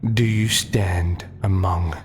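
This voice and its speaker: A man voicing a masked cult leader who questions a dead body in a low, half-whispered voice. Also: steady tone, takes it slowly, background noise. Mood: menacing. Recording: distant with music behind.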